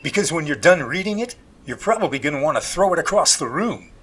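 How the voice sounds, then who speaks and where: A man playing an excitable, folksy guy who exclaims and talks to himself in homespun slang in an audio drama. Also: on the high side, quick pace, breathy edge, heavily acted. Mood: worried. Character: excitable, folksy man named Jerry, indignant Bigfoot defender. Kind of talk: hobby audio drama acting.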